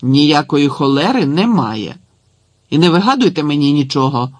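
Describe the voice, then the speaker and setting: A man voicing a stern, impatient gentleman who gives curt orders. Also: on the high side, a little fast, dry recording, close to an everyday voice.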